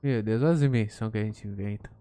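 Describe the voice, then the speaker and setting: A man's voice: on the low side, fast talker, dark tone, smooth, dry recording. A man playing a horror game with a friend, urgently repeating orders and guiding his partner. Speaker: gamer host. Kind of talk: frantic horror game co-op chat.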